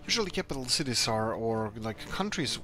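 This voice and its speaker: A man's voice: medium pitch, sing-song, brisk, sharp tone. A man from Croatia, hosting a let's play and chatting casually while he plays, thinking aloud in an upbeat, rambling way. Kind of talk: casual gameplay commentary.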